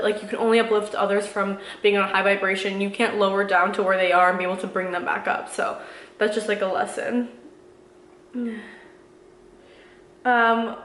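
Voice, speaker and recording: A young woman speaks at a rapid clip in an echoey room, chatting as a vlogger answering questions. Her delivery rambles and is packed with fillers, yet stays earnest and encouraging. Her pitch sits in a middle range for a woman. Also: a bit bright. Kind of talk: casual chatty Q&A with motivational advice.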